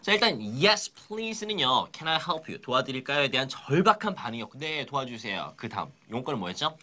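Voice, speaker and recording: A man leads an English lesson with a bright, forceful voice that swoops up and down. He coaxes the viewers to repeat every phrase loudly. His delivery is energetic and full of encouragement. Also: medium pitch, normal speed. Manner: energetic, coaxing, drills phrases aloud. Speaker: English teacher. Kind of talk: upbeat language lesson.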